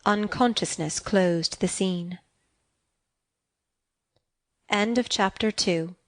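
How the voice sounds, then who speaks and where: A woman narrating an audiobook of a classic novel in a measured, expressive reading. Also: medium pitch. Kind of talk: scripted narration.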